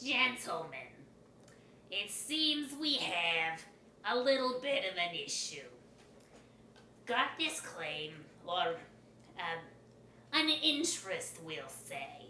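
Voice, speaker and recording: Through a slight echo, a woman puts on a character voice, speaking very slowly with very wide pitch swings and long, frequent pauses. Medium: actual play. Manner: brusque, authoritative.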